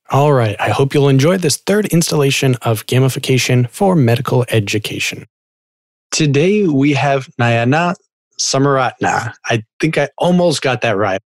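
A man's voice: medium pitch, no room sound, clean studio sound. A man hosting a podcast interview over a video call, friendly and talking in long run-on sentences. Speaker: podcast host. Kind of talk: casual interview.

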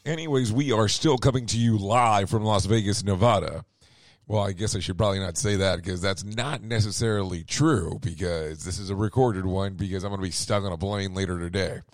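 A man's voice: sits low, fairly quick, no echo. A man hosting a radio show and losing his voice, rambling through the news with sarcastic asides and self-corrections. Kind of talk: casual news commentary.

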